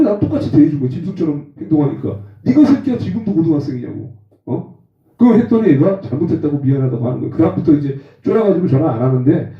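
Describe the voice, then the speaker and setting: A man in his forties preaching a testimony sermon, lively and acting out rough quarrels in slang. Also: on the high side. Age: 40s. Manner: animated, acts out rough phone quarrels with slang. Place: church hall. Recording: roomy, distant, dull sound.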